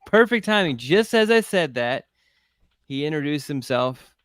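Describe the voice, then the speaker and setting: Smooth-voiced easygoing middle-aged man. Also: on the high side, very animated, measured pace, a bit bright, no room sound. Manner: easygoing, rambling, friendly. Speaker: recruiting reporter, co-host. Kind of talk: casual sports chat.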